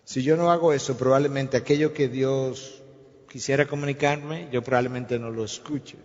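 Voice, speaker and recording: A man's voice: medium pitch, steady tone, moderate pace. A man preaching a sermon as pastor, telling stories and acting out their dialogue. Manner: storytelling preacher, acts out dialogue. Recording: long hall reverb, dull lo-fi sound.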